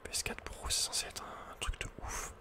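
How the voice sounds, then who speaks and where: Male, fully whispered and breathy, for laid-back, slangy video game ASMR close on the mic. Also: brisk. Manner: casual, slangy, muttering to himself. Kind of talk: whispered ASMR gameplay commentary. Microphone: close microphone.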